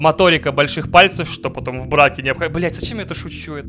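A man's fairly high voice holds a fairly even intonation as noticeable noise sits in the background. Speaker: video game enthusiast. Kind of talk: casual chat.

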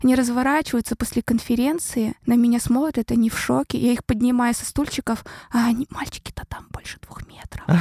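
In a dry, close recording with no echo, a woman with a high-pitched voice and a dark, mellow tone speaks fairly quickly in a flat monotone, her loudness swinging widely. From Urals, Sverdlovsk region. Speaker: actress. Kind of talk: casual chat. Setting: studio.

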